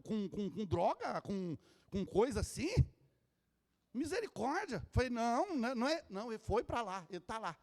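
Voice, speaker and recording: A Brazilian pastor with a very high, strained voice preaches with fervent intensity, shouting his points before dropping to a hushed storytelling tone. His voice rings out through a large church hall with a long, lingering reverb. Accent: Brazilian Portuguese. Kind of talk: Pentecostal sermon, shouted preaching.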